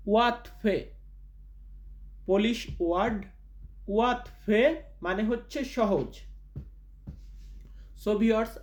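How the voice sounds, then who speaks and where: A man hosting a vocabulary lesson, repeating each foreign word slowly and stretching out its syllables. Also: high-pitched, a little mellow. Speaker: language teacher, channel host.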